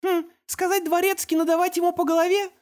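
A squeaky cheerful little boy. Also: little pitch movement, a little fast, a little mellow. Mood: childish. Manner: high childish squeaky voice. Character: small boy, dim and cheerful toddler twin.

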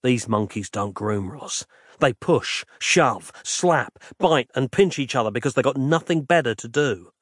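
A man voicing a gruff, bossy and sarcastic man who speaks in curt, growling lines. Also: mid-range voice, expressive, measured pace, no room sound, studio quality.

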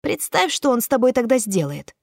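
A woman voicing a smooth-talking male federal agent who keeps pressing his case, in an audiobook reading. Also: fairly high pitch, sing-song, a little fast, no room sound, studio quality, voice pushed up, full character voice. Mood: persuasive.

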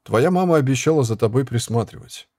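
A weary wandering herbalist talks in a firm, sceptical way, as a male reader plays him. His voice is mellow and dark, and the sound is dry and close. He is a storybook figure, not a young one. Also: medium pitch, lively intonation, a little fast, no room sound, pitched above the performer's own voice, lightly acted. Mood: stern.

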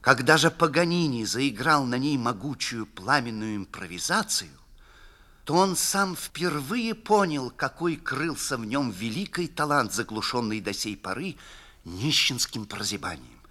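A man narrating a classic story in a theatrical literary reading, with expressive, drawn-out dramatic phrasing. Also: medium pitch.

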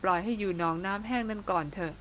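A woman reads a bearded older brother in a spoken storybook. He talks bluntly and plainly and likes to tease, though he cares deeply. The pitch sits in an ordinary middle range. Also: fast, fairly bright tone, a little hiss or hum, close to an everyday voice. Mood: teasing. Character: teasing bearded older brother, blunt but tender man.

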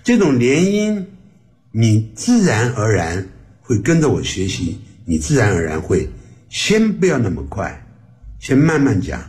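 A man's voice: medium pitch, huge pitch swings, a little slow, darkish tone. A man teaching English to beginners on the radio, drawing words out and repeating them for practice. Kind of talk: slow beginner language lesson. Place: radio studio.

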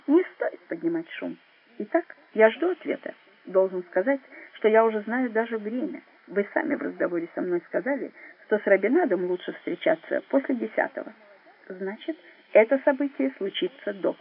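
A composed, cold-blooded secret agent, played by a woman reader, speaks quietly, in measured and mocking words. The voice sounds husky and breathy. The audio is narrow and phone-like, and it plays as an audiobook. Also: high voice, animated, heavily acted. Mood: cool.

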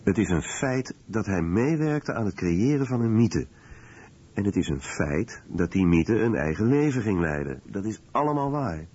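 A man reading a scripted documentary voice-over in a measured, serious way. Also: lowish voice, sing-song, darkish tone, slightly rough, muffled recording.

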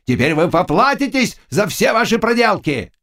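A man voicing a swaggering, hot-tempered old nobleman who bellows and scolds gruffly in an audiobook. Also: fairly high pitch, huge pitch swings, takes it slowly, a bit bright, voice pushed up, full character voice. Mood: bellowing. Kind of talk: audiobook character voice.

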